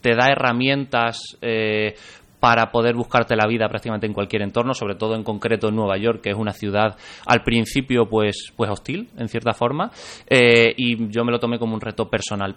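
A man's voice: medium pitch, steady tone, a little fast, a bit bright. Young Spanish man, thoughtful, restarting phrases. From Extremadura, Spain. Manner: thoughtful, many small restarts. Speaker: guest. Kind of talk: interview conversation.

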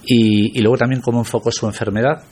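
A man's voice: medium pitch, little pitch movement, quick pace, darkish tone, slightly rough. A middle-aged man from Spain, a guest on a radio interview, talking reflectively with many hesitations.

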